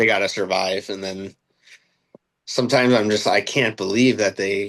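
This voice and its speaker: With a Wisconsin accent, a man talks at a fairly low pitch and with fairly even intonation. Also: moderate pace. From eastern Wisconsin, near Green Bay. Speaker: hunter. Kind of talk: casual chat.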